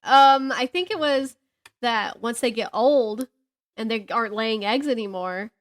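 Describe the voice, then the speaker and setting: A woman co-hosting a podcast chats casually and tells stories with plenty of animation, acting out what people said and making jokes at her own expense. Her voice is a little high and her pace measured.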